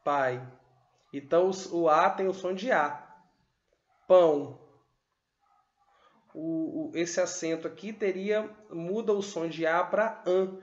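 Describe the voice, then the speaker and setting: Slow, high-voiced man teaching at a whiteboard. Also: reverberant, lo-fi sound. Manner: slow, spells out sounds and syllables aloud. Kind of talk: whiteboard lesson on literacy. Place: room with a whiteboard.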